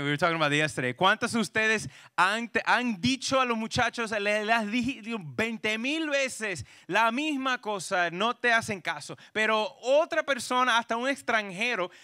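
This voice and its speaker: A high, bright male voice leading a parenting workshop for a church audience. He talks casually, restating every point twice and tossing questions to the room. The sound is dry and close, with no room echo. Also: clear, resonant tone. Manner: restates each point twice, switching back and forth; casual fillers like "right?" and "you know".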